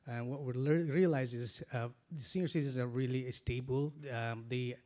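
Man, forties, earnest, halting, restarts, panel guest. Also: mid-range voice, fairly even intonation, warm tone. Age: 40s. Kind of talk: panel discussion.

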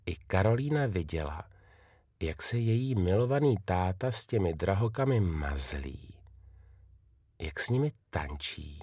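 A man narrating a children's story in a calm, even storytelling manner, softening at tender moments. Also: low-pitched, breathy edge, no room sound, studio quality. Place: recording studio.

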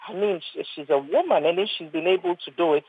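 This is a panel discussion featuring a Ghanaian physician in her sixties who speaks with earnest intent at a quick pace. Her voice sits on the low side with no echo, she keeps repeating words when restarting, and the audio is husky, dry, and thin like a phone line.

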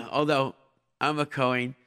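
A middle-aged man speaks as a call-in radio host at a medium pitch. He gives conversational advice in short, repeated phrases and rhetorical questions, dropping in Hebrew and Yiddish expressions. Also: little pitch movement, unhurried, sharp tone, clean tone.

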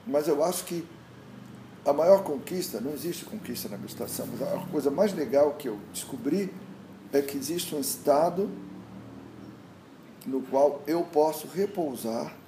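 A man's voice: fairly high pitch, animated, normal speed. A man, a meditation teacher, talking reflectively in an interview and often restarting his thoughts as he searches for words. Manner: searching, repetitive restarts, storytelling. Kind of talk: reflective casual interview talk. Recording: echoey room with faint noise.

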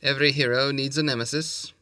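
A man's voice: medium pitch, steady tone, fast, bright, forceful tone, no echo, close to an everyday voice. An actor playing an aloof, haughty male detective in an audio drama, speaking in a pompous, clipped, theatrical way. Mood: needling.

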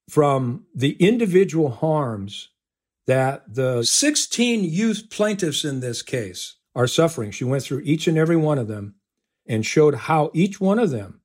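An older man, a law professor, answering interview questions in a deliberate way, listing points one by one. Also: on the high side, darkish tone.

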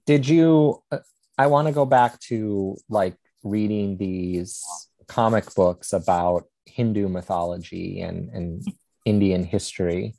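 Deep, gravelly, mellow male interviewer. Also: fairly even intonation, takes it slowly, dry recording. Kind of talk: casual, conversational interviewing.

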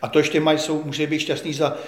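A man's voice: fairly high pitch, flat delivery, echoey room. An older man, a veteran football journalist, speaking as an interview guest in an indignant, emphatic way and often repeating himself. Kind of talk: studio interview.

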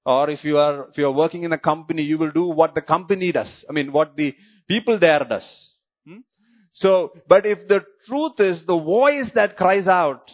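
A high-pitched man preaching a sermon, with a Malayali Indian English accent from a speaker whose first language is Malayalam. He restates his points, restarts his sentences and keeps checking in with the congregation. The recording is dull and lo-fi. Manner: checks in with the congregation through repeated short questions; repeats key phrases and restarts his sentences.

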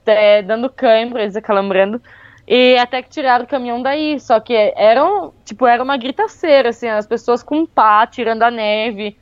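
A woman, telling a travel story in a casual, lively way, full of fillers. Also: a little high, a little fast, no echo, highs cut off. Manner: lively, with many fillers like "tipo" and "meu".

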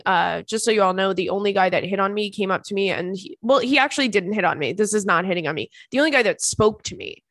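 A woman's voice: mid-range voice, a bit bright, dry recording. A young woman hosting a casual solo podcast, sounding congested from crying, chatty and joking with a self-deprecating streak. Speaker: podcast host and stand-up comedian.

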